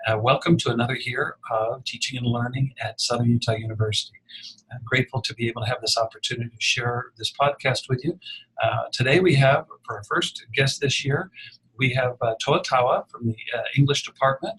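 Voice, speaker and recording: A middle-aged man hosting an interview podcast, friendly and halting, with many fillers. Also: medium pitch, fairly bright tone, a little hiss or hum, poor audio. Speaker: podcast host, university educator.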